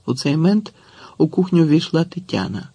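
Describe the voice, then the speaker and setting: A man reading a literary story aloud in an expressive audiobook narration. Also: fairly high pitch, normal speed, breathy edge, no echo.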